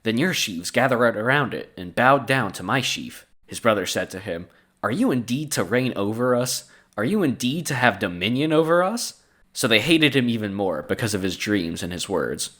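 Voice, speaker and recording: A man's voice: medium pitch, big pitch swings, moderate pace, a bit bright. A man co-hosting a podcast, reading scripture aloud and breaking off into crude jokes and frequent laughter. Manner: laughs often, crude and joking. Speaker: podcast co-host.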